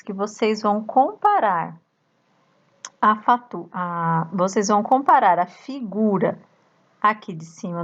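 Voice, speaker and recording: A woman teacher with a Brazilian accent, slowly reading a workbook lesson aloud to young children and chanting the syllables. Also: mid-range voice, lo-fi sound. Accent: Brazilian Portuguese. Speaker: primary school teacher.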